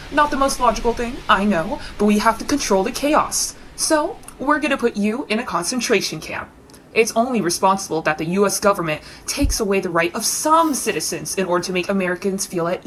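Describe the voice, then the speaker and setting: A woman's voice: mid-range voice, fairly bright tone, slight background noise, lightly acted, poor audio. A woman playing a breezy, sardonic game show host with showy announcer patter and mock sweetness in a satirical theater piece. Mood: coolly condescending. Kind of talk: satirical readers theater performance.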